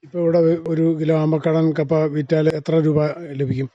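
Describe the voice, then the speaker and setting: A man's voice: fairly high pitch, level tone, a little fast, mellow, no room sound. A man, asking questions as a radio interviewer. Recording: dull, muffled radio recording.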